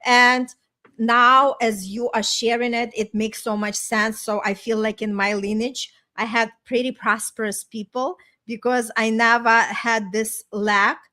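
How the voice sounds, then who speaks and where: A woman's voice: a little high, little pitch movement, unhurried, bright, forceful tone. Chatty Eastern European woman, middle-aged. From small town in Ukraine, former Soviet Union. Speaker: podcast host and life coach. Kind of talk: casual personal storytelling in conversation.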